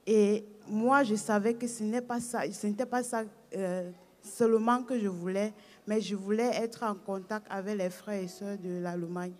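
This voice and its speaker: A woman's voice: medium pitch, fairly even intonation, moderate pace. A woman from Cameroon, telling her story in church and hesitating as she goes. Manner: long unbroken telling with hesitations. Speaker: churchgoer giving a testimony. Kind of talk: personal testimony at the front of the church.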